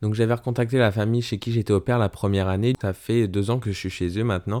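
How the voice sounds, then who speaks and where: A man with an unremarkable speaking voice talks at a fairly low pitch with fairly even intonation, in a very clean recording with a silent background. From France, Normandy. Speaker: podcast host. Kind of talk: casual monologue.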